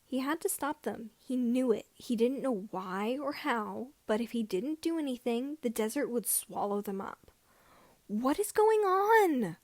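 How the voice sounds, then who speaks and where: A woman narrates fiction in a fairly high voice. Her phrasing is a little halting, and the recording is very dry, with no room around it. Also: a little mellow, dry recording. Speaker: podfic reader.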